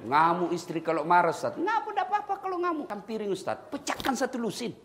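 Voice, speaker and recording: A man preaching a humorous sermon to a congregation, teasing his listeners and building up to loud calls. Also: high voice, huge pitch swings, quick pace, a faint crowd. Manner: jokey, teasing, rising to loud exhortations.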